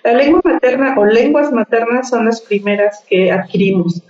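A woman, a linguist from Mexico, explaining things in a measured way as a radio guest on the phone. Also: on the high side, darkish tone. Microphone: phone line. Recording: distant, roomy, muffled phone line.

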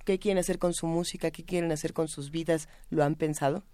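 Relaxed woman radio host. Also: low voice, fairly quick, no room sound. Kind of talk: casual radio chat.

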